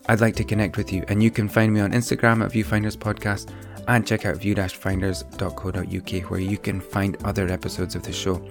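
A man's voice: fairly low pitch, little pitch movement, fairly quick, creaky, hardly any pauses, over music. A man hosting a photography podcast, talking in a friendly, hesitant way with many fillers. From United Kingdom. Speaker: podcast host. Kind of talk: casual interview.

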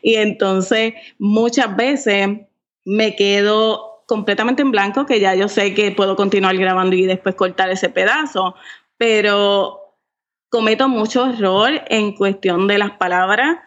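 A woman's voice: mid-range voice, steady tone, measured pace. Laughing woman, slightly muffled audio. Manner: laughs often, chatty and self-mocking; mixes in English words. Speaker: podcaster guest. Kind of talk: casual interview chat.

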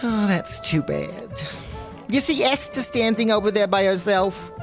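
A woman's voice: medium pitch, animated, unhurried, over music, close to an everyday voice. A woman playing an effusive, motherly Jewish matchmaking rabbi in a comedy audio drama, gushing and coy. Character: effusive matchmaking woman rabbi, chatty, secretly scheming host.

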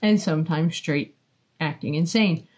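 A woman's voice: low voice, a little slow, darkish tone. A woman of thirty-eight talking casually as an interview guest, with a dry, teasing way of speaking. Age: 30s. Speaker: guest, host's wife.

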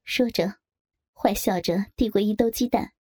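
A woman giving a steady, expressive scripted first-person narration of a story. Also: medium pitch, normal speed, dry recording.

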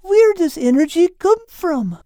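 A man's voice: extremely high pitch, very animated, a little slow, mellow, dry recording, clean studio sound, voice pushed up, full character voice. A man voicing an eager, curious young female animal who keeps asking questions in a children's story.

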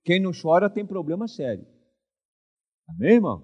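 On a lo-fi recording, an older pastor with a fairly high voice preaches at a moderate pace. He keeps the sermon animated, repeatedly turning to the congregation with call-and-response questions and asking them for an amen.

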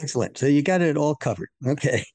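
A man hosting an interview, asking friendly, halting questions. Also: a little high, lively intonation, darkish tone, dry recording. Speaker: interview host. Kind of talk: interview, conversational.

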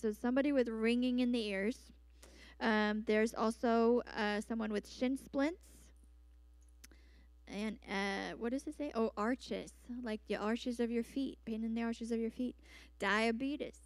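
A woman's voice: fairly high pitch, clear, resonant tone, dry recording. A woman hosting a church service, giving upbeat, chatty announcements and healing words with playful asides. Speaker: church host making announcements. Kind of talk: post-sermon announcements and words of knowledge.

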